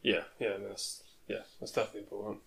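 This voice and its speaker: A man asks questions in a relaxed chat between friends. His voice is low and flat, and he hesitates often before he gets to the point. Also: quick pace, creaky. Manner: hesitant, many ums and short agreeing yeahs. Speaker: interviewer. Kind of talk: casual interview chat.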